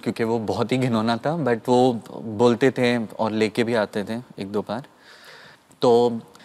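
The man's intonation holds fairly even. His pace is very slow. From Mumbai, India; India. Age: 30s. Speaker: abuse survivor; guest. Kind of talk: testimony. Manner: halting. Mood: serious, painful recollection. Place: studio. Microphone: lapel.

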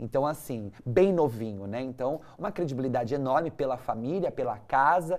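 Here a man talks at a moderate pace with lively intonation. He leaves hardly any pauses. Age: 20s. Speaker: children's entertainer; guest. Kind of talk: casual chat. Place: studio. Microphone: handheld.

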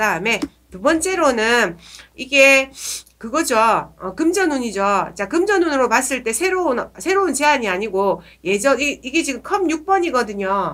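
A woman's high-pitched voice with very wide pitch swings, big swings in loudness, and a fairly slow pace. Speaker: tarot reader. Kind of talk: weekly horoscope tarot reading. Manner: frequent fillers, hesitant.

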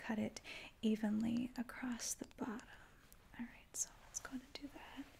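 A soft-spoken woman has a gentle tone. Her intonation is flat and monotone. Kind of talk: role-play chat to the viewer. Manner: soft-spoken, gentle ASMR voice. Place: home room.

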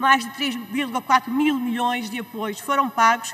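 With a European Portuguese accent, a woman speaks at a high pitch with fairly even intonation. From Portugal. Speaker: member of parliament. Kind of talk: parliamentary speech. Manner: formal. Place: hall. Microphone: podium.

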